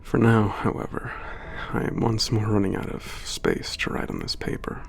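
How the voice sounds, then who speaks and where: A man voicing an ancient, gentle male giant who speaks calmly and formally. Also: lowish voice, normal speed, creaky, faint music behind, heavily acted. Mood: reflective. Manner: calm, formal, soft-spoken. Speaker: letter-writing narrator. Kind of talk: ASMR audio drama.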